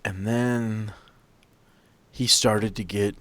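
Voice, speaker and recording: A man playing an artist's guarded, wistful daughter in a tabletop game, speaking in halting, subdued short phrases. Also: on the low side, fairly even intonation, a bit bright, no echo. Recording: music behind the voice.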